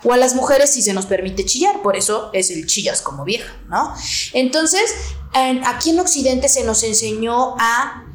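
Animated Mexican woman, slangy and emphatic. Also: a little high, moderate pace, reverberant. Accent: Mexican Spanish. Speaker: podcast co-host. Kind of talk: casual podcast chat.

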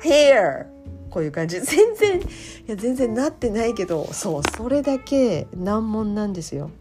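A woman chats casually over quiet guitar music, using lots of fillers and little laughs. She keeps a normal pace while her voice swings widely in pitch.

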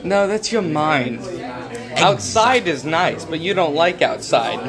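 A young man in casual, crude banter with friends, quick and joking. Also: a little high. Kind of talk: casual chat among friends. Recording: loud crowd noise behind.

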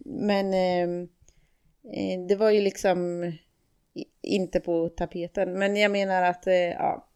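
A woman co-host talks things through in an unhurried, reflective way, pausing often with fillers and restarting her sentences. Her voice sits low and gravelly, with a dark, mellow tone. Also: level tone. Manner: hesitant, many fillers and restarts. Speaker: podcast co-host. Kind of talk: casual reflective discussion.

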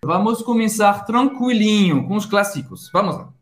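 A co-host leads a casual podcast lesson. The speaker models phrases in a chatty way, and the voice swoops widely in pitch. A roomy echo hangs around every line. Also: lively intonation, moderate pace. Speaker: French teacher co-host.

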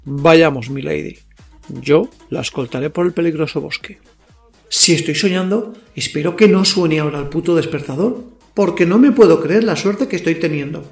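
A man's voice: fairly high pitch, normal speed, reverberant, faint music behind, close to an everyday voice. A man playing a lustful, cocky werewolf in an audio drama, narrating his night in a crude, self-satisfied way. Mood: smitten, excited. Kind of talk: audio fiction acting with first-person narration.

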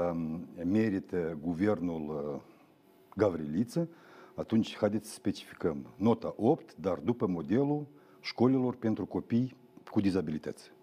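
A man's voice: low voice, warm tone, breathy edge. A man arguing as a guest on a studio political debate, combative, numbering his points with frequent fillers. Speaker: talk show guest, former deputy.

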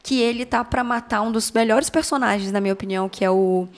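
A woman in a casual film review chat, talking in an animated way, correcting herself and laughing often. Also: fairly high pitch, brisk.

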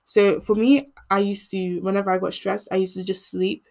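A young woman from England hosting a podcast, speaking in an earnest, measured monologue, with a voice that turns croaky as she keeps talking. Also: medium pitch, little pitch movement, darkish tone. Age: teens. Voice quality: croaky voice when speaking long. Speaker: podcast host. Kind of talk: reflective solo monologue.

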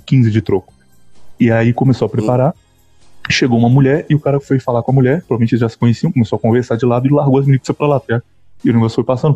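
A man's voice: medium pitch, mellow, husky, no room sound, dull audio. A man with a Brazilian accent co-hosting a podcast, joking and telling stories in a laid-back way. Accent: Brazilian Portuguese. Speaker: podcast co-host. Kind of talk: casual podcast chat.

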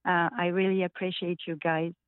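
A woman calling in to a podcast, speaking heartfelt and hesitant, with many pauses and "uh"s. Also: fairly low pitch, flat delivery, no echo. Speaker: caller. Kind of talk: casual phone call. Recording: tinny phone line.

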